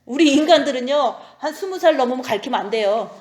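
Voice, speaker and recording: A woman's voice: high-pitched, expressive, fast talker, darkish tone, roomy sound. A woman in her forties giving a conversational sermon, often turning to the audience with "right?". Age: 40s. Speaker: preacher.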